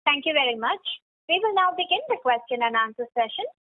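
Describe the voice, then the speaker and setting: A woman's voice: sits high, sing-song, brisk. A woman making scripted conference call announcements as the operator, in a polite, formal call-centre manner over a phone line. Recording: tinny narrowband phone line.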